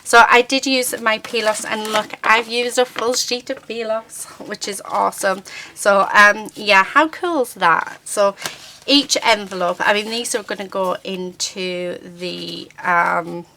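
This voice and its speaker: Croaky chatty woman crafting. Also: medium pitch, fairly even intonation, a little slow, sharp tone, a little hiss or hum. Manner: chatty, loses words, frequent ums. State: croaky, recovering from a sore throat. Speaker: craft channel host. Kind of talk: casual crafting tutorial. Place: craft table indoors.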